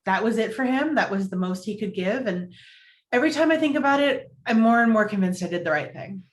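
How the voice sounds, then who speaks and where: An actress voices a newly single city woman in a romantic comedy. She is earnest and particular, speaking at an ordinary female pitch in an everyday, conversational read. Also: animated, brisk, close to an everyday voice. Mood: earnest, confessional. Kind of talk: table read of romantic comedy film script. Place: indoors, virtual video-call table read.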